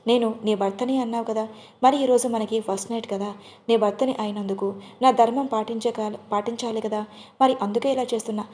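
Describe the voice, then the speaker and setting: A woman's voice: on the high side, steady tone, brisk, warm tone, lightly acted. Woman reading a bitter, angry young groom. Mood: cold, angry. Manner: cold, cutting, sarcastic.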